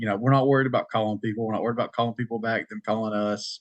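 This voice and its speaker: With a Southern US accent, a man talks at a medium pitch. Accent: Southern US (Georgia). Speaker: electrical contractor. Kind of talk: interview. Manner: hesitant, filler-heavy.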